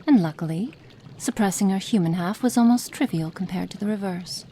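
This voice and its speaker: A woman voicing a cold, impatient female witch experimenter in an ASMR roleplay, speaking softly and partly in whispers, haughty and condescending. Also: medium pitch, brisk, slight background noise, lightly acted. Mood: musing. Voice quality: soft, partly whispered delivery.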